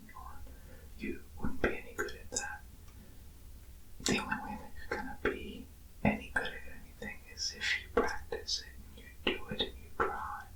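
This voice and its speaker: Over music in the background, the speech moves at a moderate pace with big swings in loudness. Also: man. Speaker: ASMR creator. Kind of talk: soft-spoken ASMR ramble to camera. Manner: whispered, soft-spoken.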